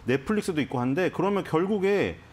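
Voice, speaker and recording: On a financial TV show, a male stock analyst guest talks through stocks in a conversational, explanatory way, often restarting his sentences in the studio. He speaks fast and animatedly in a fairly high voice.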